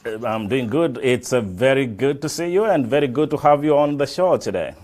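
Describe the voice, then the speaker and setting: A man's voice: medium pitch, lively intonation, fairly quick, a little mellow. A middle-aged man from Africa hosting a live interview show, speaking effusively and often repeating and restarting his phrases. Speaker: talk show host.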